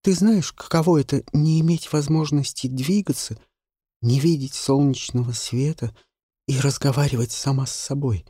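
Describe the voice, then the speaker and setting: A man voicing a dying imprisoned woman who speaks slowly, weary and bitter. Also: medium pitch, warm tone, husky, dry recording, clean studio sound, voice pushed up, close to an everyday voice. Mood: desperate.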